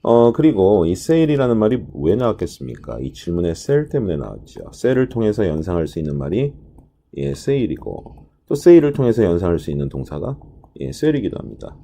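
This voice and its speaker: Deep raspy guy lecturing test prep, swings his pitch around a lot, slows down on key words. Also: big pitch swings, mellow. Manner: explanatory, frequent "자" and "예" fillers, drawn-out emphasis on key words. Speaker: TOEIC listening instructor. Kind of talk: video lecture explaining test answers.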